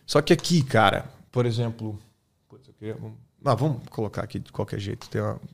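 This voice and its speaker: A man with a Brazilian Portuguese accent, an English teacher explaining his method in a relaxed, colloquial chat, often tagging his sentences with quick questions. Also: fairly low pitch, vocal fry. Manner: relaxed, colloquial, peppers speech with tag questions.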